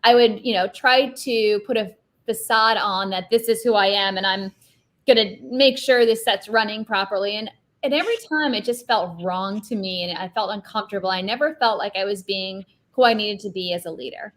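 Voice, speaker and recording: A woman film director with a light, higher-pitched voice, speaking earnestly and reflectively as an interview guest. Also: normal speed. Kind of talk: conversational interview.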